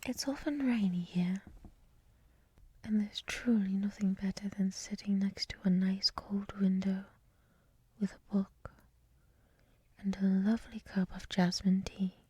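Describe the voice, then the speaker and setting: Woman as a whispering, gentle dryad librarian. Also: mid-range voice, steady tone. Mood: serene, dreamy. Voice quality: soft breathy whisper. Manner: slow, soothing, hushed, reflective. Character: gentle soft-spoken female dryad head librarian. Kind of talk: whispered ASMR roleplay. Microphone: close microphone.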